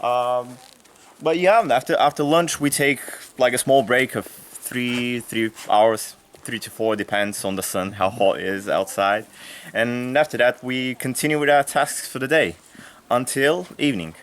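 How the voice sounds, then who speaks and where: A young man from Bulgaria speaking English with a Bulgarian accent, casually showing a visitor around outdoors, relaxed with many fillers and restarts. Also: mid-range voice, unhurried. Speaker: volunteer giving a tour. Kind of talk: casual explanatory tour. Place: outdoors in a rural garden and field.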